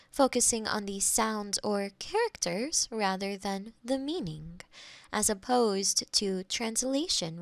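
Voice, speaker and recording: Her voice mid-range and creaky, a woman speaks close to a binaural microphone, with no echo, as a polite female AI girlfriend companion. The character is literal and eager to please, formal, measured and robotically helpful, in scripted roleplay ASMR audio.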